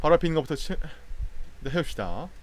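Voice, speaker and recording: A man streaming a game, commenting excitedly with loud outbursts and frantic repeated words. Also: on the high side, quick pace. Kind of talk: excited live gameplay commentary.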